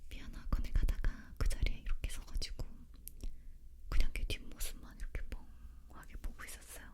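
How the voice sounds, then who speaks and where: A woman leaning in to whisper an ASMR story in a breathy, unvoiced voice, very close to the microphone. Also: a little fast. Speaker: ASMR creator telling a personal story.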